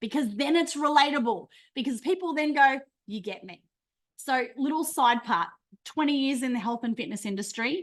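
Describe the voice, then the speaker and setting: Animated and lively in intonation, a woman with an Australian accent speaks at a high pitch with big swings in loudness. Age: 40s. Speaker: business coach. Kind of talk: masterclass presentation. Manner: fast.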